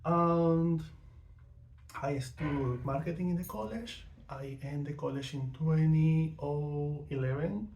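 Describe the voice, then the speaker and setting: A man's voice: fairly high pitch, takes it slowly, darkish tone, reverberant, lo-fi sound. A man in his thirties from Venezuela, speaking English with a Venezuelan accent though it is not his first language, talking frankly about himself in a casual monologue. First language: not English or Spanish. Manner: outspoken, frank, with frequent fillers. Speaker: vlogger.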